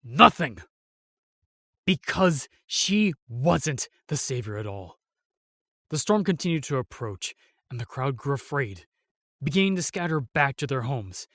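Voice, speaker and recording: A man playing a solemn, remorseful knight in a fantasy audio drama, telling things in a halting, weighty way. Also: mid-range voice, sing-song, pushed and bright, dry recording, studio quality, full character voice. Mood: pained. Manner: halting, weighty storytelling with sighs and pauses. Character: solemn, remorseful knight, sworn protector of the realm.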